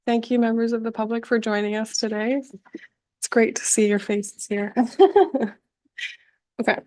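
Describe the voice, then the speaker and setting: A woman who is sick with a lowered, hoarse voice, presenting a budget at a council meeting, halting with frequent ums and apologies. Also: fairly even intonation, darkish tone. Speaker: municipal finance staff presenting budget. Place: council chamber.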